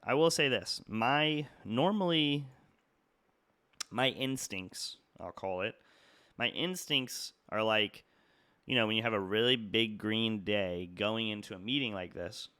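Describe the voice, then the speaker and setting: A man's voice: fairly low pitch, a little slow, bright, forceful tone, clean tone, no echo. A young man with a stuffy, congested nose from a cold, casually talking through stock charts with lots of fillers and restarts. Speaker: market analysis YouTuber. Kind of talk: casual trading chart talk.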